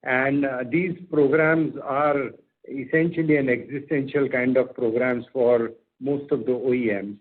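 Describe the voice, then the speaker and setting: Male executive, mid-range pitch, measured with frequent pauses, thin conference-call phone sound. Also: steady tone. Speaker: company executive. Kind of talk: explaining business outlook on an earnings call. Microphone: telephone conference call. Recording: tinny narrowband conference phone line.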